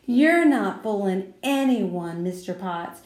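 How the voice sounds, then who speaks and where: A woman's voice: mid-range voice, animated, slow, a little mellow, echoey room. A woman voicing a pushy, scheming little girl who talks in a bossy, emphatic way.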